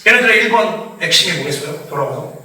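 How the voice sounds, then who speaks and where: A man preaching as a missionary, lively and laughing, acting out quoted voices. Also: fairly high pitch, fast talker, noisy background. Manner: animated, acts out quoted voices, laughs often. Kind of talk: sermon lecture. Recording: echoey hall, far from mic.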